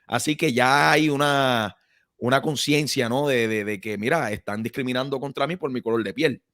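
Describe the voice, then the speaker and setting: Brief: Puerto Rican man, mid-pitched, talkative guest with a dry close sound. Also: moderate pace, fairly bright tone, no room sound. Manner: conversational, many fillers and tag questions. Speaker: guest researcher. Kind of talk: casual conversation.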